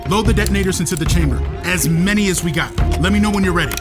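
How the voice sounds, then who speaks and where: A man's voice: high-pitched, very fast, natural voice. A man playing a brash, teasing starship captain in an audio drama, commanding and wry. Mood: urgent, commanding. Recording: music behind the voice.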